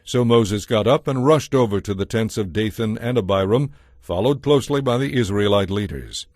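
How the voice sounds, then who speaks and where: A man narrating scripture from a script as a storyteller, in a measured, solemn way. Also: lowish voice, a little mellow, dry recording, studio quality.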